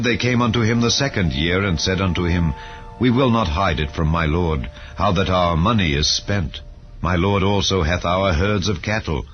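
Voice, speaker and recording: A man reading scripture as an audiobook narrator in a solemn, measured, deliberate way. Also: deep voice. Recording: dull lo-fi audio, music underneath. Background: background music.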